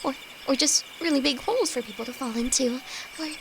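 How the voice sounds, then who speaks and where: A woman's voice: high-pitched, brisk, creaky. A woman acting a timid, affectionate young apprentice alchemist in an intimate audio roleplay, nervous, stammering and hesitant, speaking to her best friend. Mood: worried. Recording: insect and cricket noise behind voice. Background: night forest ambience with crickets.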